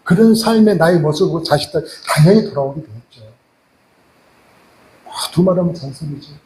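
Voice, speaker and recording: Male pastor preaching sunday sermon, fairly high voice, lots of rhetorical questions, echoey church. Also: animated, fairly quick, darkish tone, slight background noise. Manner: emphatic, many rhetorical questions.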